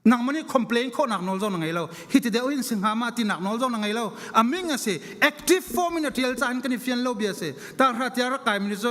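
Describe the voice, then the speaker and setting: High-pitched, fervent male preacher in echoing hall. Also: fairly bright tone. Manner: emphatic, repeats phrases for stress. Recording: long echoing hall reverberation.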